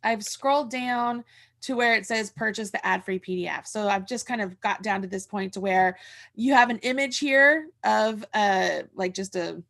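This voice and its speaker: A woman's voice: mid-range voice, moderate pace, vocal fry, a bit bright. A middle-aged woman hosting a casual craft livestream over a video call, chatty and rambling as she thinks aloud. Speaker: host of a crochet tutorial livestream. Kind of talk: casual livestream chat and instruction. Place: room at home. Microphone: video call from a desk.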